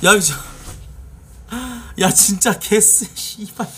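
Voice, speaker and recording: A man streaming a game live, talking casually and yelling and swearing at it. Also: sits high, takes it slowly, a little hiss or hum. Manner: excitable, swears and yells at the game.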